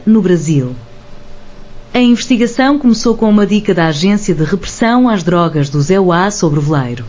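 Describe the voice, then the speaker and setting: A narrator reading a news report in an even, scripted way. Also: medium pitch, dull audio.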